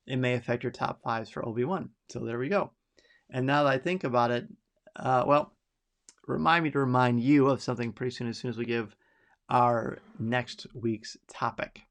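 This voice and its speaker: A man's voice: mid-range voice, steady tone, moderate pace. A middle-aged man hosting a live podcast, chatty and enthusiastic as he reads out listener picks and reacts to them. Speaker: podcast host.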